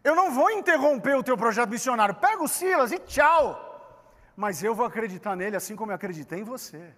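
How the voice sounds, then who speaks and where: A preacher voicing a gentle, encouraging mentor. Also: male voice, very high-pitched, expressive, fast talker, heavily acted. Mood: pleading. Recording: long hall reverb.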